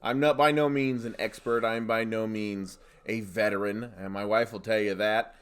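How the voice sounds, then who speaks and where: A man's voice: lowish voice, steady tone, moderate pace, fairly bright tone, clean tone. A man co-hosting a comedy advice podcast, ranting emphatically in short, mock-indignant declarations. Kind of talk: comic advice banter, storytelling rants.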